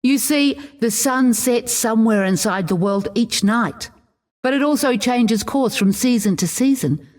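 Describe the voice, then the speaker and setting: A woman playing a proud, opinionated tribal warrior, recounting her people's myths in a measured, assured way for a game. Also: fairly high pitch, darkish tone, lightly acted. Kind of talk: scripted in-character lore narration.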